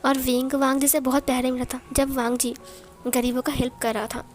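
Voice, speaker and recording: A woman's voice: sits high, flat delivery, brisk, soft background music. A woman casually retelling a romance story in a chatty, explaining way, like a storyteller. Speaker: story narrator.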